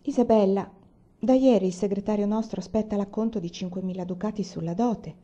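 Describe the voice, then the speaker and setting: A woman voicing a smiling widowed noblewoman who speaks in a gentle, caressing, persuasive way. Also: medium pitch, a little fast, muffled recording, close to an everyday voice. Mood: coaxing.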